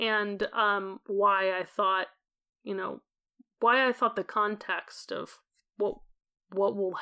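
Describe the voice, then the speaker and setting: A woman's medium-pitched, bright, sharp voice with an American accent, fairly slow and flat in a monotone, on a very clean recording with a silent background. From Texas. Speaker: lawyer. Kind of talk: casual chat.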